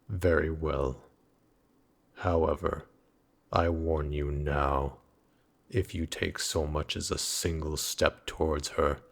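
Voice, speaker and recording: A man's voice: a bass voice, full character voice. A man voicing a grim, weary earthen knight guarding a goddess, speaking formally and archaically in a dramatic audio roleplay. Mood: wary, stern. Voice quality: gravelly, husky. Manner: archaic, formal, menacing, slow.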